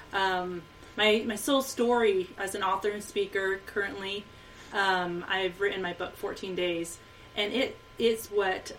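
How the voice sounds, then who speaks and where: A woman from Costa Rica speaks as a podcast guest, pausing often and filling gaps with ums. Her voice sits back from the microphone, with a faint hiss of noise behind it. Her pitch is mid-range for a woman. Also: fairly bright tone. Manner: hesitant, with frequent ums. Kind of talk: casual interview. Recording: mic at a distance, faint noise.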